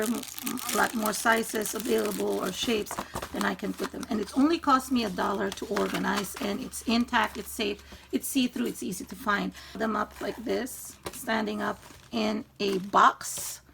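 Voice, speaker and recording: A woman in her fifties with a naturally husky, allergy-hoarse voice, chatting through a craft tutorial step by step. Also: on the high side, fairly bright tone, slight background noise, rough recording. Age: 50s. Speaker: craft channel host. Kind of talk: casual DIY tutorial. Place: craft room in a home loft.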